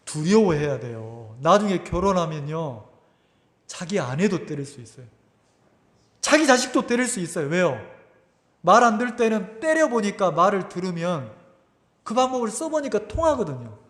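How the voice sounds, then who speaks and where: A male pastor preaches in a high, swooping voice. He keeps asking the congregation questions. His voice rings with a long reverb through the church hall. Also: moderate pace. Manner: animated, asks the congregation questions, acts out quotes. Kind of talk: sermon. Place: church sanctuary.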